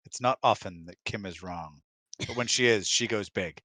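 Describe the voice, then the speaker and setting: A man's voice: fairly low pitch, moderate pace, sharp tone, no room sound. A man chatting casually as a co-host, with dry, mock-serious humor. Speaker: co-host, guest husband. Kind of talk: casual chat.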